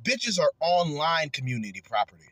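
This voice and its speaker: A man's voice: a little high, sing-song, moderate pace, fairly bright tone, a little hiss or hum. A man hosting a podcast, ranting crudely and angrily in heated commentary. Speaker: podcast host.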